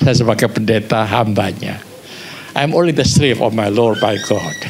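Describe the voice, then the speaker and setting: A man speaks at a medium pitch and a fairly slow pace. Audible room echo and noticeable background noise surround him. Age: 80s+. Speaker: visiting pastor. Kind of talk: sermon. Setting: church, seated, not at pulpit.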